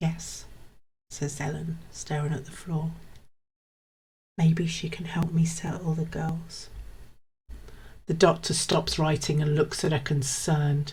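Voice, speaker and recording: With vocal fry and a very deep, low pitch, a woman speaks at a fairly slow pace in a monotone, flat intonation, taking long, frequent pauses. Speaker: storyteller. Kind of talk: ghost story reading.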